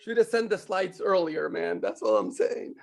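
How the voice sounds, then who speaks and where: A man with a high-pitched voice talks informally on a group video call. His intonation swings widely, giving casual, animated conversational delivery. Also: moderate pace. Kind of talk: casual chat.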